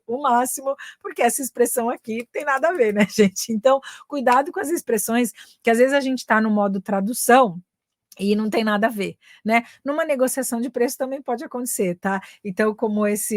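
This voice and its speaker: A woman's voice: a little high, brisk, no room sound, studio quality. A woman from Brazil with a Brazilian Portuguese accent, giving a casual live-stream English lesson, chatty and dropping English phrases into her talk. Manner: chatty, tags sentences with "né" and mixes in English phrases. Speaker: English teacher.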